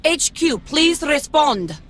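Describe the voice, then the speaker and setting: Dostya, a guarded cyborg commander. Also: female voice, sits high, very animated, slow, fairly bright tone, a little hiss or hum, full character voice. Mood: urgent. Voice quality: formal, clipped, precise. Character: female cyborg commander, cold, guarded, distrustful. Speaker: allied commander. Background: game score music.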